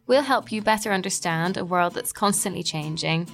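Lowish-voiced woman over guitar music. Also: normal speed, vocal fry. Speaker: podcast host. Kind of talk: scripted podcast promo. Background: plucked guitar music.

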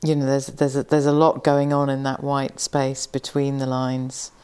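Low, smooth-voiced woman, gently reflective. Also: little pitch movement, normal speed. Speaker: podcast interviewer. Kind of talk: reflective literary conversation. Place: in-person conversation at an institute.

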